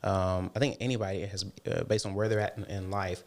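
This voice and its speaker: A man's voice: sits low, flat delivery, fairly quick, a little mellow. A young man from Alabama, a podcast guest talking over his business goals in a reflective way, with many fillers and restarts. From Alabama, USA. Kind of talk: casual conversation.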